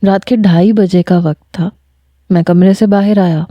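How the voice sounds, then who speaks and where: A woman narrating a first-person story in a calm, measured reading. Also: lowish voice, no echo, highs cut off.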